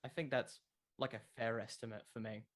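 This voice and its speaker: A man's voice: medium pitch, steady tone, fairly quick, a bit bright. A man answering questions in a casual interview, thinking aloud and repeating words as he goes. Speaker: podcast creator, interview guest. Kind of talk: casual interview chat about wrestling fiction.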